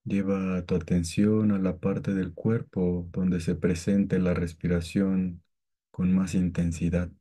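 A man guiding a meditation with calm, gentle, scripted instructions and long pauses between phrases. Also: low-pitched. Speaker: meditation guide.

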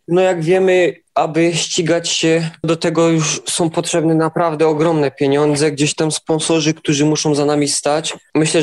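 Flat-voiced young man, interview guest. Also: on the high side. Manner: even, steady delivery with restarts. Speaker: interviewed athlete. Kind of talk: casual interview answers.

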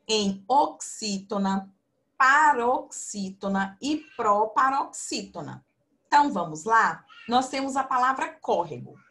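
Woman, primary school teacher, online class, slightly high voice, lively sing-song, slow and patient. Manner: slow, sing-song teacher talk to children, calls herself auntie. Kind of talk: online class for young children. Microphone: computer mic on video call.

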